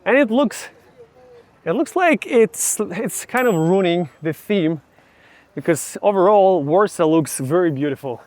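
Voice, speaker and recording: A young man with a Ukrainian accent, vlogging outdoors while walking city streets, chatting casually and slowly explaining English words. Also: high voice, expressive, darkish tone. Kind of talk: casual travel vlog with teaching asides.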